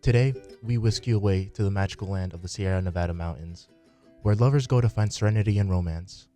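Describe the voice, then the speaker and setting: A man's voice: low voice, quick pace, dark tone, soft background music. A man narrating a live radio play from a script in a theatrical storytelling style. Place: radio studio, live performance.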